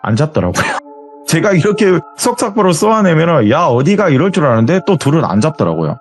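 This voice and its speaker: A man's voice: fairly high pitch, a little fast, faint music behind. A man telling a true story as an interview guest in a conversational way, acting out his friends' lines as he goes. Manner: animated, acts out friends' lines in quoted dialogue; self-described grumbler.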